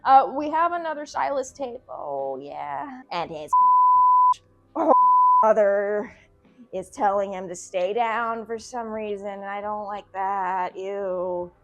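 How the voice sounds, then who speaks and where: Speaking slowly in a mid-range voice, this video essay host jokes her way through casual commentary that's sarcastic, irreverent, profane and a bit theatrical. The audio is poor, with music in the background.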